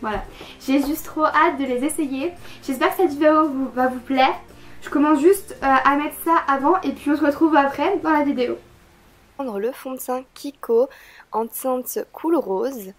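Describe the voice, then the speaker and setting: Stuffy-voiced woman with a fairly high pitch. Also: moderate pace. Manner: chatty and hesitant, frequent "euh" fillers. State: stuffy-nosed from a cold. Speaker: beauty vlogger. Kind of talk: makeup tutorial vlog.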